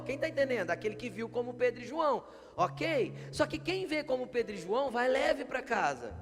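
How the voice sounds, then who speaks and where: A man preaches a sermon in a high, bright tenor, often putting questions to his congregation. His voice rings through a church hall with a long reverb tail. Soft guitar music plays faintly behind him.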